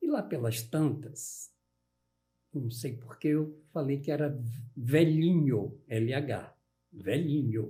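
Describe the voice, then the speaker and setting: Speaking very slowly with long, frequent pauses, a man uses a fairly high, somewhat breathy voice with a dark, mellow tone and ordinary pitch variation, and the room echo is audible. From Acre, Brazilian Amazon. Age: 70s. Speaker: storyteller and writer. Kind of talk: podcast interview.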